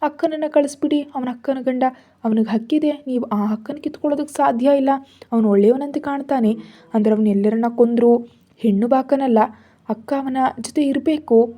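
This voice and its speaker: A woman's voice: sits high, normal speed, mellow. A woman voicing a defiant seventeen-year-old girl who talks back in a mocking, pert way.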